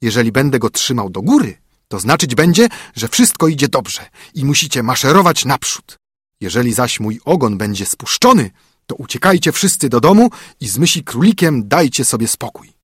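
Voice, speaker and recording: Man doing a vain boastful storybook fox, cunning, husky voice, lively pitch. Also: normal speed, no echo, studio quality. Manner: boastful, instructive.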